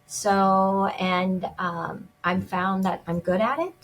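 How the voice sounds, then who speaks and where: A woman's voice: mid-range voice, fairly even intonation, slow pace, a little hiss or hum, poor audio. A woman gemologist and jewelry designer speaking as an interview guest, enthusiastic and often restarting her sentences.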